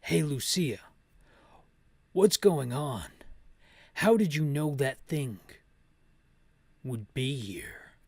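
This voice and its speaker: Man doing a slow, mistrustful action hero. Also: a little high, lively intonation, darkish tone, breathy edge, no room sound, heavily acted. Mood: wary. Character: gruff, mistrustful male action hero Barry.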